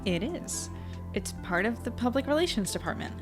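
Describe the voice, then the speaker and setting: A woman's voice: fairly high pitch, big pitch swings, normal speed, over music. A woman playing a responsible, exasperated small-town newspaper reporter in a naturalistic audio drama. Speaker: podcast drama actress.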